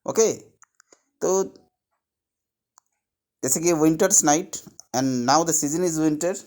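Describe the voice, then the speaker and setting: Slow-paced teacher explaining a workbook. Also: male voice, on the high side, darkish tone. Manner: mixes Hindi and English, explains step by step.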